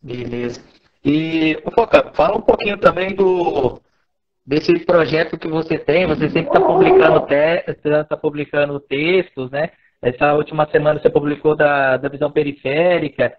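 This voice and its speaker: A man's voice: fairly high pitch, expressive, moderate pace, dull audio. A man hosting a casual live interview, asking friendly, rambling questions full of restarts. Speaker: host, interviewer.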